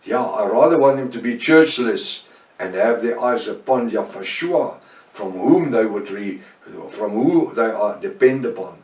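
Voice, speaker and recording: A man's voice: on the low side, expressive, unhurried, darkish tone. A man with an Afrikaans accent, preaching a fervent Bible-study sermon with prayers. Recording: echoey room, voice from far off.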